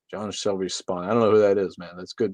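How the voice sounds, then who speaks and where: Against a quiet background, a man with a New England accent speaks at a fairly quick pace and fairly low pitch. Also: dry, close sound with no echo. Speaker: livestream host. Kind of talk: casual live-stream chat reading viewer comments. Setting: live stream.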